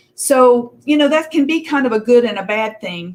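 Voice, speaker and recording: With a Southern US accent, a woman talks at a moderate speed. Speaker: e-commerce bookkeeper, author. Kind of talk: interview on a live web show.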